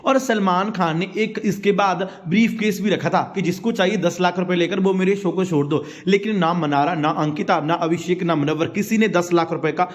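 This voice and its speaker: A man's voice: high voice, moderate pace, hardly any pauses. A man giving a casual, opinionated recap of reality-show gossip, chatty and often correcting himself mid-sentence. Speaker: entertainment news commentator.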